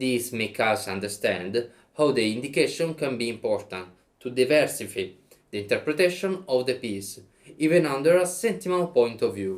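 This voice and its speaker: A man with an Italian accent, medium pitch, very wide pitch swings and a moderate pace. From southern Italy (near Lecce). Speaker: guitar teacher. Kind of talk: lecture. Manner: halting.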